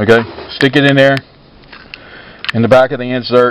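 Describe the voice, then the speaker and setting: This man speaks at a very fast pace with a medium pitch and fairly even intonation. Noticeable background noise sits behind his voice. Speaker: goose call maker demonstrating calls. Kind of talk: tutorial. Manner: casual.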